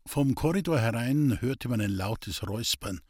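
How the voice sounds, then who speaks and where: A man narrates an audiobook from a script, telling the story in a measured, even way. His voice is mid-range, and the recording is dry and clean, with a studio sound.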